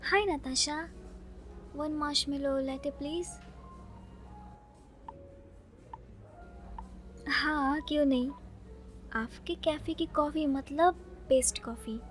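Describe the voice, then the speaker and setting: A woman playing a chatty, dreamy young librarian who is easily flustered, musing softly to herself in an audio romance drama. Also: sits high. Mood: friendly.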